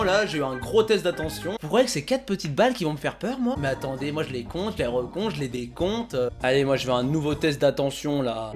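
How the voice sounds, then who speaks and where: A man from France doing casual reaction commentary on videos, excitable and quick to mock himself. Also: fairly high pitch. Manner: excitable, self-mocking.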